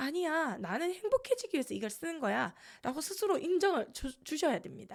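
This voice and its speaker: A woman talks in an animated tone. The recording is very clean, with a silent background. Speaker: teacher trainer. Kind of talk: lecture. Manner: fast.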